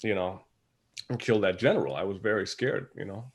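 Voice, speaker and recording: A man's voice: on the low side, brisk. A man speaking casually as a panel guest, with tentative, loosely strung phrases. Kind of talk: casual conversation.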